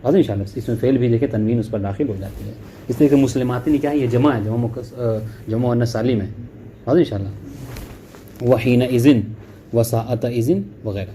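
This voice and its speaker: In an Arabic grammar lesson, the male teacher's voice is mid-range, dark, and mellow. After a slow reading of the Arabic text, he picks up speed to explain it, checking again and again with "clear?" and "okay," over faint background noise.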